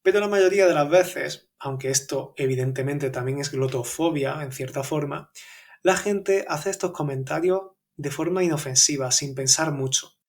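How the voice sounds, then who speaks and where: Andalusian man telling a story, higher voice. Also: moderate pace. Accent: Andalusian Spanish. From Andalusia, Spain. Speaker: podcast host and Spanish teacher. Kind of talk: scripted personal storytelling for learners.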